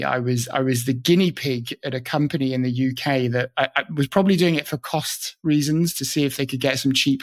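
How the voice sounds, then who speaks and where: A man's voice: medium pitch, dry recording. A British man talking as a panel guest, enthusiastic and often repeating words as he starts sentences. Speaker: guest, training company co-founder. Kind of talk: casual panel chat.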